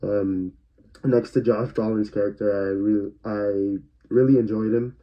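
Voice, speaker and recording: A man's voice: on the low side, fairly even intonation, a little slow. A man giving a casual spoken movie review, hesitant and stuttering, with many fillers. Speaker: film reviewer. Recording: dull lo-fi recording.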